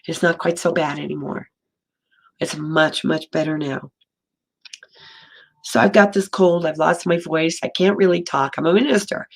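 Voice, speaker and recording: A woman minister giving a gentle, storytelling sermon in a slightly hoarse voice, slowing and softening for emphasis. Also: deep voice, fairly even intonation. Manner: gentle storytelling, slows and drops to near whisper for emphasis. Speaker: interim minister. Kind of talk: sermon talk.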